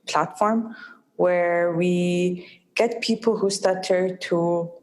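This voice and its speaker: A young woman from the United Arab Emirates answers interview questions in a slightly low voice. She speaks slowly and carefully, with a mild stutter and small pauses as she works through her words. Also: fairly even intonation, a little mellow. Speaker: guest, social entrepreneur. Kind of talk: interview conversation.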